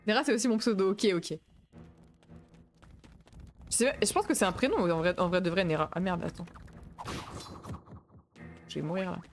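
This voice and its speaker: A woman's voice: fairly low pitch, normal speed, long pauses, soft background music. A young woman streamer chatting casually and laughing with panicky yelps while she plays a game. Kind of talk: casual gaming stream commentary.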